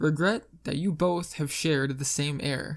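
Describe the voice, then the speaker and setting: A silent background makes for a very clean recording. The delivery moves at a moderate speed. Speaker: story narrator. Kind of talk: greentext story reading.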